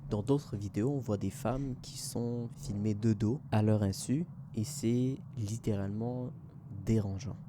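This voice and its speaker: A man's voice: on the low side, fairly even intonation, a little slow, noisy background. A man hosting and narrating a scripted online mystery video. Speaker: YouTube host. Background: music under the voice.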